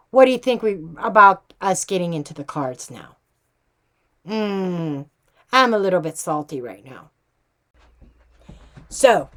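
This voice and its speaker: A woman hosting a casual true crime tarot reading vlog, chatty and emphatic with slangy asides. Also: mid-range voice. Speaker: tarot reader and true crime channel host.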